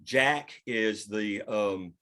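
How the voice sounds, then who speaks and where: Male writer-host, casual group discussion, halting mid-sentence pauses, mildly profane. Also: lowish voice, fairly bright tone. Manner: halting, pausing mid-sentence to find words. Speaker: writer and host leading a table read.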